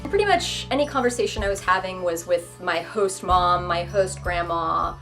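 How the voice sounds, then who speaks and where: A young woman vlogger talking casually to the camera, chatty and self-deprecating, breaking into quick voiced asides. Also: fairly low pitch, fairly bright tone, faint music behind.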